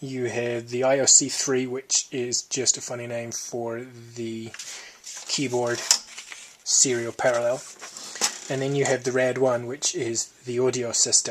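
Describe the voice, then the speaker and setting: A man at a fairly slow pace with long, frequent pauses, medium pitch and monotone, flat intonation, plus noticeable background noise. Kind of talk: technical walkthrough of computer hardware. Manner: soft-spoken, slow, hesitant.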